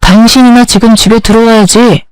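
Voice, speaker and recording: A woman's voice: fairly high pitch, steady tone, brisk, clean tone, dry recording, soft background music, close to an everyday voice, rough recording. A woman voicing an irritable young husband who complains bluntly and defends his mother, in a read-aloud story. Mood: irritated.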